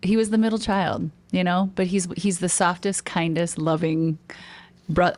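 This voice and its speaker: A woman with an American accent and a normal speaking voice, medium in pitch, at a moderate pace with ordinary pitch variation, on a very clean recording with a silent background. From Missouri Ozarks. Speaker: business founder. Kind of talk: podcast interview answer.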